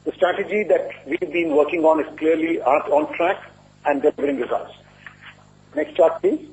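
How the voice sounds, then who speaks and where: A man speaking as a company executive, giving a formal, measured and deliberate earnings presentation. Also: a little high, darkish tone. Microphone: conference call line. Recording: muffled lo-fi conference call audio.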